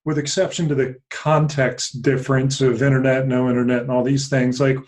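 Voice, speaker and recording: A man in his thirties hosts a podcast interview. He builds his questions slowly, with plenty of fillers and restarts along the way. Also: mid-range voice, level tone, darkish tone. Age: 30s. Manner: halting questions full of fillers. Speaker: podcast host. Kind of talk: casual interview chat.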